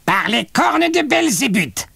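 A man voicing a cranky, vengeful old witch with a grating, creaky voice in a children's audiobook. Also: very animated, bright, forceful tone, no echo, full character voice. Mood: furious threats. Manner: slow, shrill and threatening.

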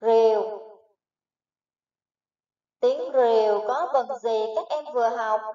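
A woman teacher giving a slow, patient phonics lesson to young children, spelling out sounds one syllable at a time. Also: on the high side, warm tone. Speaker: primary school teacher. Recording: echoey, distant, dull recording.

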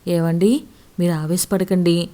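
A woman voicing a worried, devoted middle-aged village wife who pleads gently with her husband. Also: on the low side, fairly even intonation, a little slow, natural voice. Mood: anxious.

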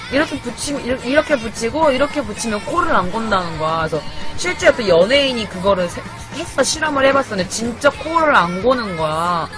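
A young woman from Korea talks into a desk mic in a small apartment late at night, venting in a casual livestream chat. Her pitch swings widely as she complains, and she swears freely in her exasperation. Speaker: live streamer. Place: small apartment at night, sister asleep in the loft. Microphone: desk microphone.

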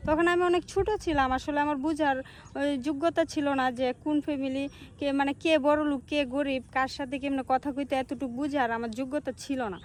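High-voiced Netrokona-accented young woman. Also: fairly even intonation, quick pace. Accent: Netrokona Bengali. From Netrokona, Bangladesh. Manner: earnest, reflective storytelling. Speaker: social media creator. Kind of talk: personal talking-to-camera vlog.

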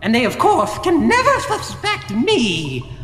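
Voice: high-pitched, huge pitch swings, a little slow, fairly bright tone, reverberant, long reverb tail, a little hiss or hum, voice pushed up, heavily acted. A game master voicing a haughty, gloating villain who schemes and lectures an underling in a fantasy audio game.

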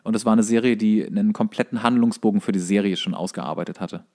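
A man's voice: on the low side, quick pace, darkish tone. A man, a podcast co-host, chatting casually about films and series. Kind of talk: casual film and series chat.

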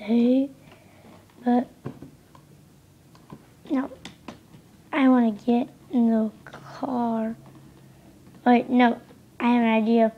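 A young woman casually commenting on a game she is playing, a little hoarse from being sick, rambling and easily distracted. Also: a little high, little pitch movement, very slow, long pauses, a little hiss or hum. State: losing voice, sick. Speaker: gameplay commentator. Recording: slightly dull lo-fi home recording.

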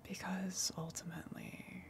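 A woman playing a gentle, coaxing eldritch tentacle monster in an ASMR roleplay, speaking hesitantly and considerately with long pauses. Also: fairly low pitch, wildly swooping pitch, gravelly, exaggerated voice.

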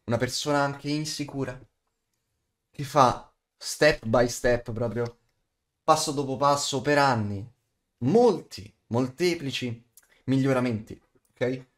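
A man's voice: mid-range voice, takes it slowly. A man, talking casually and bluntly to camera in colloquial, sweary language. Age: 20s. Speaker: YouTuber, aspiring voice actor. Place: small bedroom, indoors. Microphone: studio condenser mic on desk.

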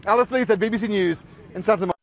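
Male reporter for scripted news voice-over, voice a little on the high side. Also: racing.

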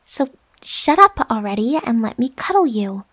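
A woman playing a bossy, defensive but secretly affectionate young roommate in an ASMR roleplay, huffy with breathy whispered asides. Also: fairly high pitch, big pitch swings, moderate pace, bright, forceful tone, exaggerated voice. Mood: annoyed, teasing.

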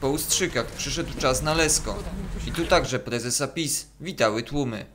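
A man reading a scripted news report with an even, formal delivery. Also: mid-range voice, normal speed, crowd noise. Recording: voice-over with music beneath.

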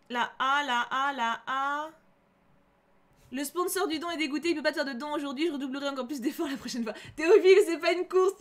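A bubbly young woman streams a story game, reading its text aloud and chatting to her viewers in between. Her voice is high and chatty, and she gushes easily. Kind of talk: live gameplay chat and reading aloud.

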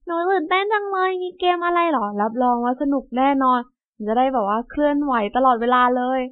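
A woman voicing a playful little girl who speaks in a high, excited, childish way. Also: brisk. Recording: tinny phone-like sound.

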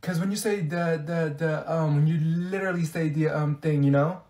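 A man's voice: sits high, fast, a little mellow, reverberant, natural voice. A man playing an awkward teenage schoolgirl who rambles evasively and defensively in a comedy skit. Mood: flustered. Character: awkward, evasive teenage schoolgirl Olivia, flustered oddball friend.

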